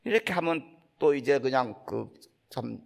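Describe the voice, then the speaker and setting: Older man, Buddhist monk with a Gyeongsang accent, gravelly voice, unhurried folksy sermon storytelling. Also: medium pitch, very animated. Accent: Gyeongsang Korean. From Gyeongsang province, Korea. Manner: folksy, unhurried storytelling, acting out quoted speech. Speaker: Buddhist monk giving a dharma talk.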